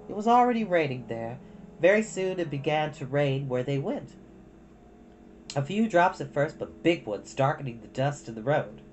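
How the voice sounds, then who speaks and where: A woman reading a children's storybook aloud in an expressive narrating style. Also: low voice, normal speed, slight background noise. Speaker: storytime reader.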